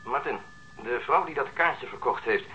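An actor playing a brisk police colleague through a telephone filter in a radio drama. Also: male voice, mid-range voice, expressive, bright, forceful tone, highs cut off. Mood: matter-of-fact. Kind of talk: naturalistic radio drama acting. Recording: band-limited telephone sound, faint noise.

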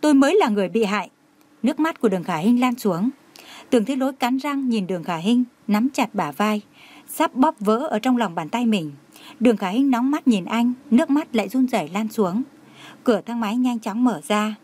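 A woman narrating a romance novel audiobook in a steady storytelling manner. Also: on the high side, normal speed, husky.

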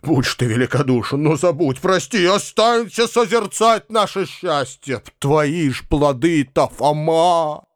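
A man voicing an anxious middle-aged uncle in an audiobook, pleading in a hurried, imploring way. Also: a little high, expressive, dry recording, studio quality.

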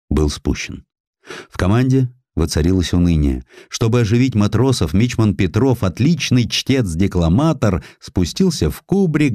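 A man's voice: sits low, warm tone, no room sound, clean studio sound. A man narrating historical prose as a dramatised audiobook, telling the story as a scripted reading.

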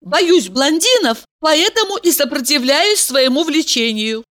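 A woman narrator voicing an impulsive young blonde woman who cries out breathlessly and pleads in a high, strained voice. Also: lively intonation, unhurried, a bit bright. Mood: pleading.

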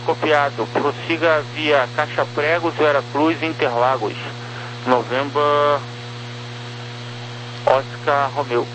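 A man's voice: a little high, flat delivery, slow pace, long pauses. A man with a Brazilian accent giving clipped air traffic control instructions over a radio. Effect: radio transmission. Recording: noisy radio channel with hum.

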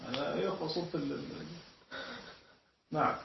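Teacher in an echoey room. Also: male voice, a little high, vocal fry, noisy background. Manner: pauses mid-sentence for students to finish his words. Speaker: teacher of Islamic jurisprudence. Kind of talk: classroom lesson. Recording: echoey, distant, dull room recording.

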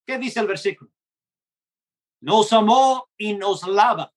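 Speaking Spanish as a second language, a high-voiced man delivers a gospel sermon slowly and earnestly, acting out brief dialogues along the way.

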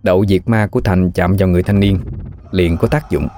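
A man narrating a ghost story in a steady, even storytelling manner. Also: sits low, fairly quick, faint music behind.

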